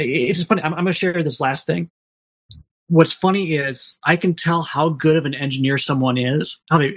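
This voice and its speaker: A man's voice: fairly high pitch, husky. A man talking as a podcast guest, telling candid stories with lots of restarts and quoted dialogue. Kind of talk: casual storytelling.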